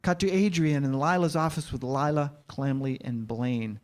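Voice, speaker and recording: A man's voice: mid-range voice, normal speed, a little mellow. A man narrating the scene directions at a staged reading of a screenplay.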